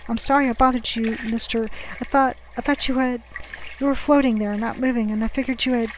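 A woman's voice: on the high side, steady tone, brisk, slight background noise, close to an everyday voice, rough recording. A woman voicing an anxious shipwreck survivor in an audiobook, pleading and apologetic as they try to soothe someone. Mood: nervous apology. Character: pleading young survivor on a raft, anxious, conciliatory.

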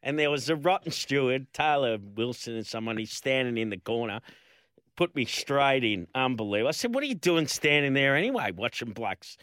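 A man's voice: mid-range voice, expressive, brisk, a bit bright, dry recording, clean studio sound. A middle-aged man hosting a casual chat, telling stories in a rambling way with lots of fillers. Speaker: host.

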